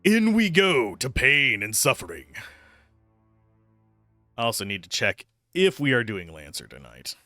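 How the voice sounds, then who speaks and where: A man's voice: medium pitch, big pitch swings, unhurried, pauses often, bright, forceful tone, no echo. A man streaming a game, giving live commentary and reading game text aloud into a close microphone. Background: faint game music.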